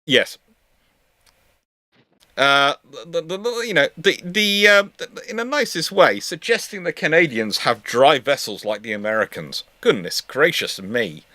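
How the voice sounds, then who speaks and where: A man hosting a casual live panel chat, reading out questions in a halting, stammering way that often repeats words. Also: on the high side, very animated, bright, forceful tone, dry recording.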